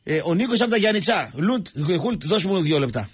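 A man hosting a radio show, telling jokey stories and talking with callers in an animated way. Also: sits high, slightly rough. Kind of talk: casual radio talk.

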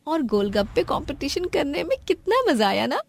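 A woman voicing a meek, dutiful young daughter-in-law in an animated family story, speaking deferentially. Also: sits high, normal speed, creaky, dry recording, heavily acted. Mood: confiding. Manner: deferential, apologetic.

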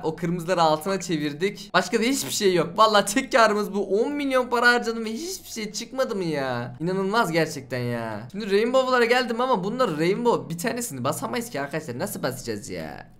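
A man commentating his gameplay to viewers, excitable and exasperated, swinging between groans and shouts. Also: high voice. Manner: addresses viewers directly. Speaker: gaming channel host.

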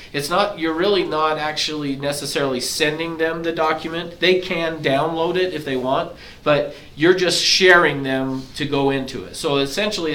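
A man training real estate agents, walking them step by step through signing software in a casual, explanatory way, a bit hoarse and clearing his throat as he loses his voice. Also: on the high side. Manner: explanatory, casual, self-deprecating. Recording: echoey room from far off, faint hiss.

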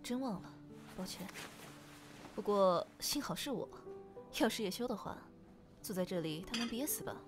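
A woman's voice: medium pitch, lively intonation, moderate pace, long pauses, music in the background, natural voice. A woman acting an easygoing, curious female friend in an audio drama. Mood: casual. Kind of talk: fan audio drama dialogue.

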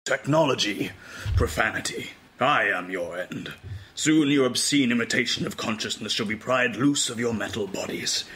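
A man's voice: medium pitch, pushed and bright, lightly acted. Man performing a menacing doomsayer, noisy recording. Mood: menacing, grandiose. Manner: declamatory, slow and solemn. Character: menacing robot-hating fanatic, grandiose doomsayer in a recording.

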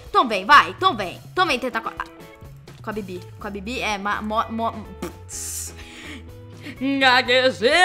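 A young woman with a Brazilian Portuguese accent gives gaming commentary in a very high, bouncy voice that swings all over. Her tone is bright and sharp, and she exclaims and repeats herself constantly. Game music plays softly under her. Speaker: gaming youtuber. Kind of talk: casual gameplay commentary.

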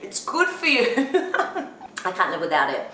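A woman's voice: medium pitch, wildly swooping pitch, unhurried, pushed and bright, echoey room, slight background noise. A woman in her forties with a New Zealand accent, a lifestyle vlogger chatting to camera while cooking at home. She sounds tired, upbeat and chatty, and laughs often. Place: home kitchen, indoors.

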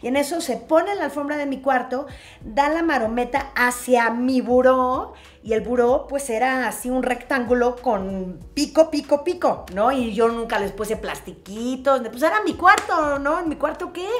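A woman with a Mexican accent telling a family story to her viewers in a casual, animated way. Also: high-pitched, normal speed. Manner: animated, expressive, acts out scenes. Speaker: vlogger.

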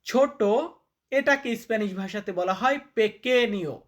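Slow, patient male vocabulary teacher. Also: high-pitched, a bit bright. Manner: drills each word by repeating it and quizzing the listener; addresses viewers as brother, informal and direct. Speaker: language teacher. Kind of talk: spoken vocabulary lesson.

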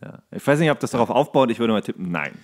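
A man's voice: medium pitch, animated, fast. A man co-hosting a podcast, chatting casually in slangy, mocking colloquial speech as he comments on a show. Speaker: podcast co-host. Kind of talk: casual chat, commenting on a TV show while watching.

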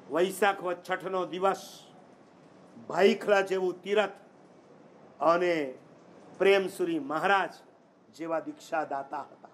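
A man's voice: extremely high pitch, slight background noise. A man preaching a sermon, telling stories emphatically and quizzing the audience with rhetorical questions. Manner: storytelling, emphatic delivery.

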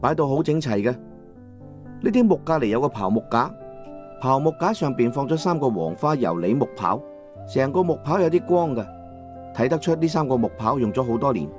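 A man with a Cantonese accent narrating a first-person novel as an audiobook, in a steady descriptive storytelling manner. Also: medium pitch, moderate pace, faint music behind.

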